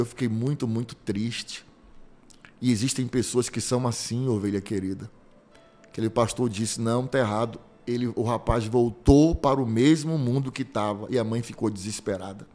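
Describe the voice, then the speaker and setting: A Brazilian man, a bishop, preaching conversationally, telling a story with quoted dialogue and slow, emphatic repetitions. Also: mid-range voice, a little mellow. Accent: Brazilian Portuguese. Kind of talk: conversational sermon.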